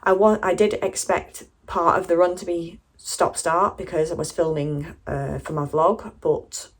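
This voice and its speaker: A woman's voice: on the low side, fairly even intonation, measured pace. A British woman chatting casually to camera as a vlogger, in a candid, rambling, slightly hesitant way. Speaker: running vlogger.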